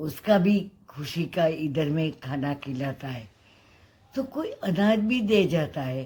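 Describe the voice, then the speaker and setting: A somewhat breathy voice with a dark, mellow tone moves through very wide pitch swings. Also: woman, very deep, low pitch for a woman. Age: 80s+. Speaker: charity founder. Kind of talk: interview.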